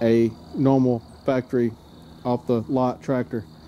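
A man's voice with a dark, mellow tone. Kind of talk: tutorial. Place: open country.

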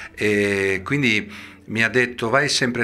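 A bright, sharp tone comes through over light background noise. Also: man. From Rimini, Italy; Italy. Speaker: impressionist entertainer; comedian impersonator interviewed. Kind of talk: backstage interview. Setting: theatre dressing room. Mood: warm, fond storytelling. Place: home room. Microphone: handheld.

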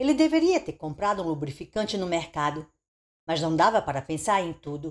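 At a moderate pace, a woman speaks in a dramatic tone with ordinary pitch variation. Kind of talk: audiobook narration reading a novel aloud; dramatic narration of a tense horror scene. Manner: dramatic, suspenseful, tense pacing with shifting tone for fear and dialogue.

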